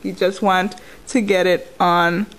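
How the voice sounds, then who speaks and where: A woman's voice: on the low side, flat delivery, slow, a bit bright, poor audio. Woman chewing gum through a casual tutorial. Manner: chewing gum while talking; informal, conversational, step-by-step instruction. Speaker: nail technician giving a tutorial. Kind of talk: casual hands-on tutorial talk.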